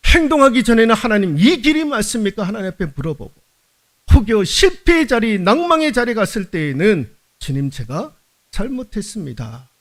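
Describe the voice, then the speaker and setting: A male pastor preaching at a Wednesday prayer service. He asks the congregation rhetorical questions with emphasis and drops to a soft, low voice for confessional prayers. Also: big pitch swings, fairly quick.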